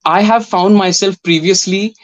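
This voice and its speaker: A young man with an Indian English accent, a voice and dubbing artist answering interview questions in a thoughtful, measured way with frequent pauses. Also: sits high, fairly even intonation.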